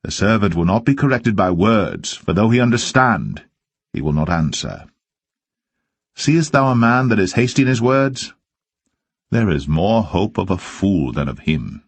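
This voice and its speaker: A man giving a solemn, measured reading of old-fashioned Bible verse as a scripture reader. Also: on the low side, sing-song, breathy edge, dry recording. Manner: measured, deliberate phrasing.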